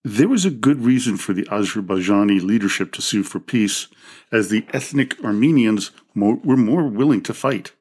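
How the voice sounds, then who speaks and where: A man reads out a scripted history narration for his podcast in a fairly low, steady voice. Now and then he trips on a word and corrects himself before moving on. He sounds close to a podcast mic. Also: normal speed, husky. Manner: reads from a script with small slips and self-corrections. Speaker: podcast host.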